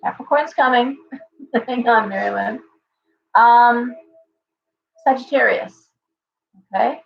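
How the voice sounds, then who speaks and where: A woman hosting a casual tarot livestream, chatty and hoarse, thanking viewers by name as she reads the cards. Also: a little high, slow pace, far from the mic. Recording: dull, roomy livestream audio from off-mic.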